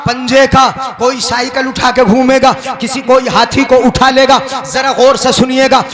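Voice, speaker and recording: A man preaching to a large religious gathering. He draws the crowd in with rhetorical questions and call-and-response, and often climbs into shouted, chant-like lines. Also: very high-pitched, flat delivery, measured pace, roomy sound. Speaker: Islamic preacher.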